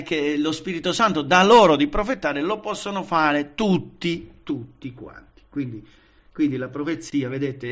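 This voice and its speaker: A man's voice: fairly high pitch, muffled recording. A man preaching a Pentecostal Bible study, emphatic and engaging, often checking that his listeners follow. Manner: lively, emphatic, often asks the listeners "vedete?" and "capite?"; frequent fillers and restarts.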